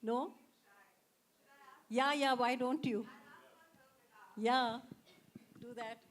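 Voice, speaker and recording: A woman moderates a literary festival session. She speaks with open enthusiasm and gently nudges the audience to ask questions. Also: on the high side, fairly even intonation, very slow. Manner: warm and effusive, coaxing the audience.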